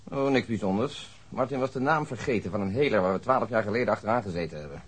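Quick, matter-of-fact detective. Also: male voice, on the low side, animated, slightly rough. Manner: plain, unassuming, factual. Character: modest, matter-of-fact male detective with sharp memory. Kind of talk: Dutch radio drama acting.

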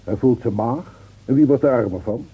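An actor playing a placid, wry, world-weary village gendarme reasoning soothingly in a radio play. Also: male voice, medium pitch, moderate pace, husky. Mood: tolerant, persuasive. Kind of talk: Dutch radio play acting. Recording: dull, muffled old radio recording.

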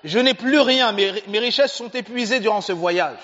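A man voicing an angel disguised as a poor leper who softly begs for help. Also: sits high, normal speed. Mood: pleading. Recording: reverberant hall, dull sound.

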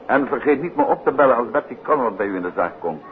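An actor playing an urbane, confident amateur detective in a 1950s Dutch radio play, with a Netherlands accent. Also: male voice, mid-range voice, lively intonation, quick pace, natural voice. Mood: genial, brisk. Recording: muffled noisy 1950s radio recording.

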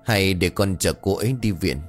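Anxious young husband, man reading him, shaky voice, deep, faint music. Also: moderate pace, natural voice.

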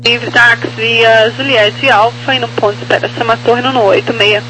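Very high, bright Brazilian male controller on radio. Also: fairly even intonation, normal speed. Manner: procedural, clipped phrases. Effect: aviation radio. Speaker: air traffic controller. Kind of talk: radio clearances. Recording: faintly noisy radio transmission with hum.

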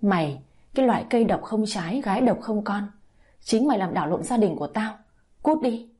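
A woman's voice: lively intonation, a little fast, warm tone, husky. A woman voicing a bitter older village mother-in-law who scolds and wails, in a read-aloud story. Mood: shrieking. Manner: shrill, scolding, wailing.

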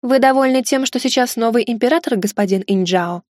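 A woman reading the lines of a young Venetian navigator in an audiobook, respectful and deliberate. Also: fairly high pitch, a little mellow, no echo, studio quality, lightly acted. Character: young Venetian male navigator, polite hero.

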